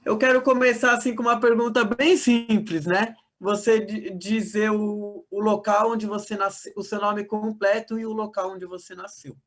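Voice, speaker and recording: Interviewer asking soft questions, kinda hesitant, lots of "assim". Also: medium pitch, steady tone, normal speed, few pauses. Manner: gentle, hesitant questioning with fillers. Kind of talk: oral history interview.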